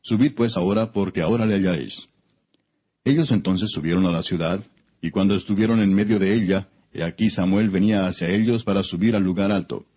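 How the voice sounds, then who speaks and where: Deep raspy guy doing solemn measured bible narration, declamatory, kinda muffled lo-fi audio. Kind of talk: solemn scripted biblical narration.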